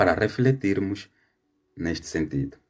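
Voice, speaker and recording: A man with a very deep, low voice speaks at a fairly slow pace with very wide pitch swings, recorded very cleanly over a silent background. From Angola. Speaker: Salesian religious, preacher. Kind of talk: homily reflection. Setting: live stream. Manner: slightly halting with fillers.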